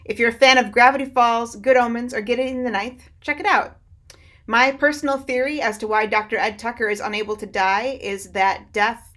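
A woman with a fairly high voice introduces a show as a podcast creator. Her delivery is informal yet scripted, with a playful, wry touch. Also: a bit bright.

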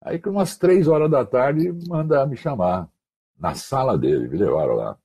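A man from Mato Grosso do Sul in Brazil, a radio announcer guest on an online call, telling slangy anecdotes with lively, acted-out quoted voices. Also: medium pitch, moderate pace, slightly rough. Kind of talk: casual storytelling.

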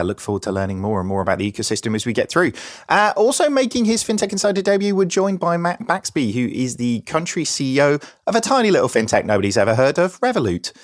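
Male podcast host, East Anglian English accent, animated intonation, chatty, dry close sound. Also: medium pitch, no echo. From England. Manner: informal, chatty. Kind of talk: upbeat podcast presenting with panel introductions.

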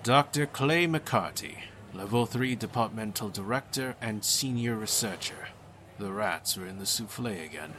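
A man's voice: medium pitch, wildly swooping pitch, unhurried, background noise. A man voicing a friendly, easygoing senior researcher in a spoken story. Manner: easygoing, warm and playful.

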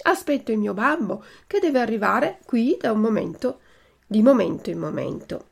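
A woman doing an excitable wooden puppet boy. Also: fairly high pitch, moderate pace, gravelly, slightly rough, exaggerated voice. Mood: eager. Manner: eager, exclaiming.

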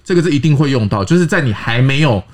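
A man hosts a relaxed language podcast, speaking at a brisk clip. His pitch rises and falls with lots of animation. He jokes along with his co-hosts and takes care when explaining pronunciation. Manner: lively, joking, explains pronunciation carefully. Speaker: podcast host teaching English. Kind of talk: casual language-lesson chat.

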